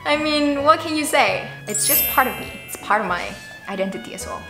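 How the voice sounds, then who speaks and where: A woman's voice: high-pitched, expressive, normal speed. A young woman from Indonesia, talking casually and chattily to her viewers as a vlogger. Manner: informal, chatty, with frequent "like" and small giggles. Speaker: YouTube vlogger. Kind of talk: casual talk to camera. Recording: roomy echo, music behind the voice. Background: background music.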